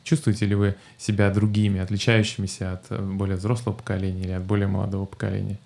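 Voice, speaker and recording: Middle-aged male podcast host: deep, gravelly, jokey, hesitant. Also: level tone, a little mellow. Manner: jokey, laughs often, halting with fillers. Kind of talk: casual group podcast chat.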